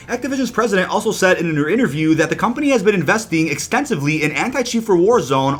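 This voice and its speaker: A man's voice: a little high, a bit bright. A man hosting a gaming news video, talking through updates in a conversational, emphatic way with rhetorical asides. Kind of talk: video game news commentary.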